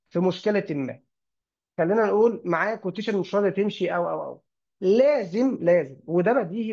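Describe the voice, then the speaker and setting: A man with an Egyptian accent, a sales consultant talking in an online meeting, animated and giving numbered tips with rhetorical questions. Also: high voice. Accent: Egyptian Arabic. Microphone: video call. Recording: lo-fi video call audio.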